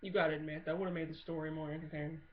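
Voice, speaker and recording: Racing through her words in a low, level voice, a woman vlogger performs a sarcastic, foul-mouthed, comedic monologue in a casual, blunt manner. She is an amateur, and her recording sounds muffled with noticeable background noise.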